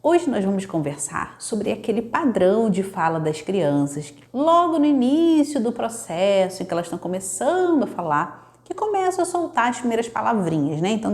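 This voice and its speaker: A woman speech therapist from Brazil explaining child speech development to parents, often checking in with tag questions and acting out little parent voices. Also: a little high. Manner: acts out playful parent voices in quoted examples. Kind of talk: educational talk to parents.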